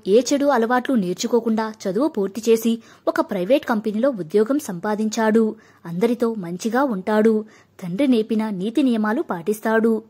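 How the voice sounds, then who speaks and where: A woman's voice: on the high side, darkish tone. Woman narrating an audiobook story.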